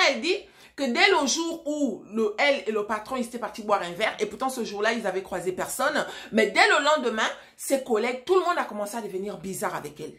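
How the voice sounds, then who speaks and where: A woman's voice: on the high side, fairly bright tone. A woman from Africa talking casually to her viewers in a direct, emphatic way, often asking them rhetorical questions. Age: adult, married mother. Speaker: vlogger and storyteller. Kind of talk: casual vlog monologue.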